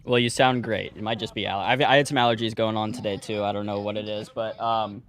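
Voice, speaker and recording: A man's voice: fairly low pitch, steady tone, fast, fairly bright tone. Casual male host of a live market show. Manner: casual, upbeat, talks to viewers directly.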